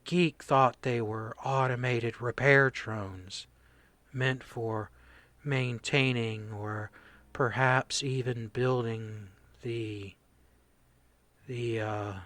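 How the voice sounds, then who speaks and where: A man playing a traumatized corporal in a radio play, recounting horrors in halting, broken phrases. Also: medium pitch, steady tone, a bit bright, no room sound. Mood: sedated, grieving. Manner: halting, haunted, fragmented delivery. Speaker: voice actor.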